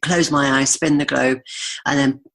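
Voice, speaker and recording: A woman in her fifties with a Yorkshire accent and a gravelly, slightly husky voice. She talks in a chatty, storytelling way and laughs often as she goes. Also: rumbling low, fairly even intonation, normal speed, a bit bright, low-quality recording. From Yorkshire, England. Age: 50s. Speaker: guest. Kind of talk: podcast interview.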